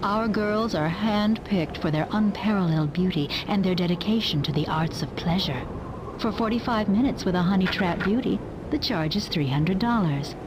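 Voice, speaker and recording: An actress playing a brothel's phone greeter in a video game, giving polished, scripted sales patter. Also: female voice, medium pitch, moderate pace, background noise, close to an everyday voice. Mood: enticing.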